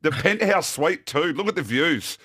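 A man's voice: on the high side, lively intonation, moderate pace, pushed and bright, husky, no echo. Bantering Australian man hosting, dry sound. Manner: jokey, bantering. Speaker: host. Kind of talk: casual sports preview presenting.

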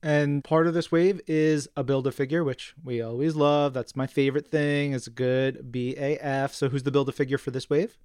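A man's voice: medium pitch, level tone, normal speed, few pauses, darkish tone, smooth, no room sound, clean studio sound. A man hosting a podcast interview, upbeat and steering the conversation. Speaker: podcast host.

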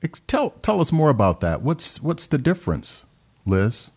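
A man hosting a live call-in radio show, asking callers gentle, encouraging questions. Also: a little high, huge pitch swings, moderate pace, husky. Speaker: radio host.

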